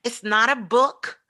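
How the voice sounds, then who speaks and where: A woman's voice: fairly high pitch, pushed and bright. A woman giving an impassioned spiritual talk as a guest teacher, emphatic and repetitive like a preacher.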